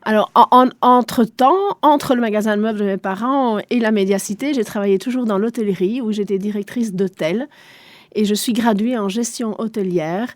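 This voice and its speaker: A woman's voice: medium pitch, normal speed, dry recording, clean studio sound. A woman in her forties, a native German speaker from eastern Belgium, answering radio interview questions in a composed, businesslike way. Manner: composed, businesslike, explains with figures. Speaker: guest, shopping centre director.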